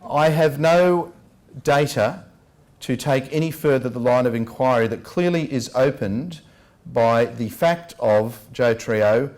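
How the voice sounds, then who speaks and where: An Australian man delivering an investigative lecture in an emphatic, rhetorical manner, leaning on key words with deliberate stress. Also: mid-range voice, darkish tone. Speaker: public speaker, lecturer. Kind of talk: public address, investigative lecture. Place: public talk at a venue.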